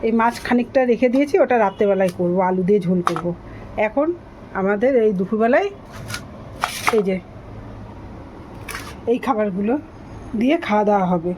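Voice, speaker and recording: A woman's voice: medium pitch, lively intonation, normal speed, long pauses. Female home cook, casual explainer, faint background noise. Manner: explains dishes step by step. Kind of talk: casual cooking vlog.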